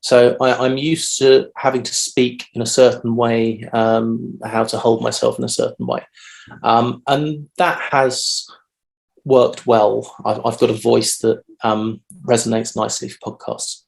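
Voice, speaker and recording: A man, answering interview questions at an even pace with frequent "um" fillers over a video call. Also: mid-range voice, a little slow, vocal fry, poor audio. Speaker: DJ and podcast guest. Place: home room on video call.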